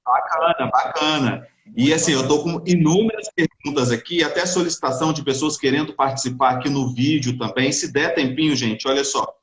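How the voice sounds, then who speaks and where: A man's voice: mid-range voice, a little fast, hardly any pauses, fairly bright tone, rough recording. A male interviewer hosting a live interview, upbeat, greeting audience members by name between his questions.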